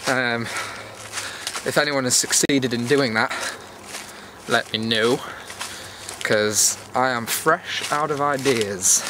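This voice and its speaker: A British YouTube vlogger hosts a chatty, meandering walk-and-talk video, rambling casually outdoors on a cold evening walk. His voice is mid-range and slow, and clear outdoor background noise comes through.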